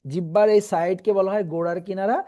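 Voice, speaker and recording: A man teaching Quran reading in an online class, patiently explaining and slowly repeating letter sounds for his students. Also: high-pitched, steady tone, warm tone.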